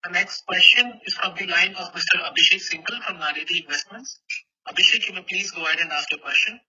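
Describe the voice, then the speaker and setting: A man's voice: sits high, fast, bright, forceful tone, husky. A man working as conference call operator, formally moderating the questions. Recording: muffled, lo-fi conference line.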